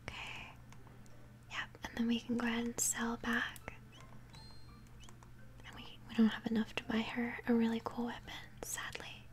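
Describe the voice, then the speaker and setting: A young woman giving gentle, chatty game commentary in a soft, breathy ASMR whisper. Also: on the high side, monotone. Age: young adult. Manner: gentle, chatty, unhurried narration of play. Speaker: game streamer, host. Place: small home room, indoors. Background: game music.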